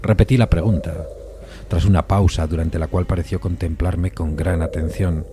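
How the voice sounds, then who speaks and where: A man giving a measured, literary dramatic narration of a classic suspense story. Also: sits low, steady tone, noisy background. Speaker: narrator of an audio fiction adaptation.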